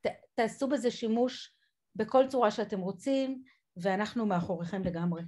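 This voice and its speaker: A woman's voice: mid-range voice, a little mellow. A woman in her forties hosting a casual video call, chatty and encouraging, with many fillers. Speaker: academic event host. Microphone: laptop webcam on a video call.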